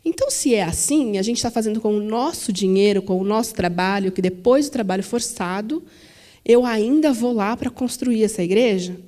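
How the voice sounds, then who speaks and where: São woman panelist, warm, mellow tone, conversational, tags questions, acts out quotes. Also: medium pitch, moderate pace. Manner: conversational, frequent tag questions, animated quoting. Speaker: panelist at a teachers' talk. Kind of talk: public talk answering questions. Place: museum auditorium.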